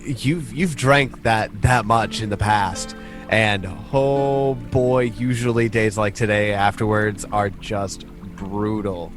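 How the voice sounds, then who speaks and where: A man's voice: fairly low pitch, steady tone, slow pace, over music. A man working as game master, narrating a tabletop game and addressing his players.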